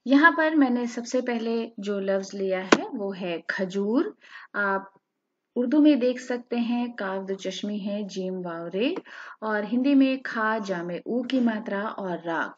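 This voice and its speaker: Woman teacher, slow letter-by-letter spelling, higher voice, dull lo-fi voice-over. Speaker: language teacher. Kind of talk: spelling-out lesson narration.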